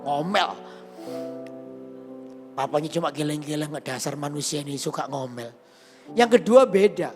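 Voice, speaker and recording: A male pastor, preaching in a lively, jokey storytelling way and often asking the congregation to agree. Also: fairly high pitch, moderate pace, long pauses. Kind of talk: storytelling sermon. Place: large church hall. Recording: reverberant church hall, faint music.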